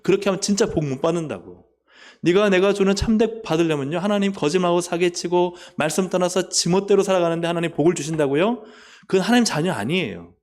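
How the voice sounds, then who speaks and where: In a church sanctuary, a pastor preaches a sermon fast and with lively intonation, posing questions to the congregation and answering them himself. He swings between loud urging and soft, low asides.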